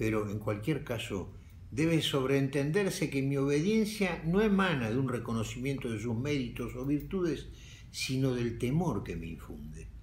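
Audible room echo and light background noise surround a man who speaks at a moderate pace in a somewhat breathy voice. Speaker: writing teacher reading a story. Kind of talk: literary reading aloud. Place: home room.

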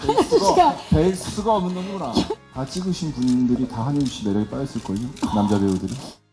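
A man's medium-pitched voice at a fairly quick pace, swinging very widely in pitch, with music in the background. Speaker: actor. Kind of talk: press conference answer.

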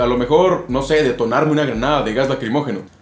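Someone talks at a very fast pace, with audible room echo. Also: man. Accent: Mexican. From Mexico. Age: 20s. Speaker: YouTuber and former police officer; YouTuber. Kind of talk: casual Q&A monologue to camera. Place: home room.

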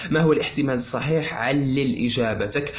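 A man with an Algerian accent talks at a fairly quick pace with ordinary pitch variation, with audible room echo and noticeable background noise. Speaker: biology teacher. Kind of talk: lecture. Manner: animated.

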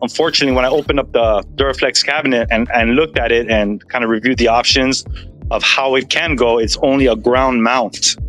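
Faint background music, a man speaking at a fairly quick pace, a dry sound without echo. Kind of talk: explaining a problem on a support call. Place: garage. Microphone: video call.

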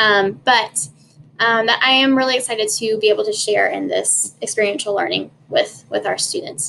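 A woman with an American accent at a moderate pace, light background noise behind her. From North Carolina. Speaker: middle school science teacher. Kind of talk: recorded presentation to parents. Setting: recorded video presentation. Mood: friendly, upbeat. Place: home room. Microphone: webcam.

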